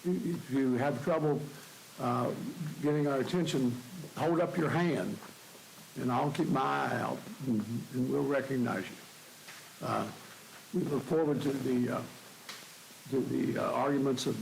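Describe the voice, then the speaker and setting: An older man speaking as a presiding judge in a courtroom, halting often with hesitations and repeated words. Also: mid-range voice, gravelly, poor audio. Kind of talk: courtroom opening remarks. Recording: faint hiss.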